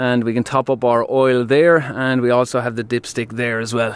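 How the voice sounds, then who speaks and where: A man talks at a moderate pace in a monotone, flat intonation. The sound is dry with no echo. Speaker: truck video reviewer. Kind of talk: walkaround tour commentary. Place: street. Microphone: phone near.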